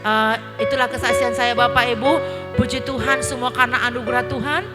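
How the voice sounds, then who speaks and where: Woman, church testimony, earnest, high voice, long hall reverb, loud music behind. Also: fairly even intonation, fairly quick. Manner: earnest, emotional, addresses the congregation repeatedly. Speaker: church member giving testimony. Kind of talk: testimony at a worship service. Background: loud worship music.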